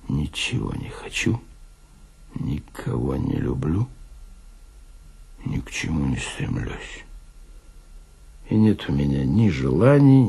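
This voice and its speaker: An actor playing an embittered, despairing man in a radio drama monologue, husky and gravelly, brooding in his delivery. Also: rumbling low, heavily acted. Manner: slow, brooding, with emphatic swells and hushed drops. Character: embittered, despairing male drinker recounting his shattered childhood.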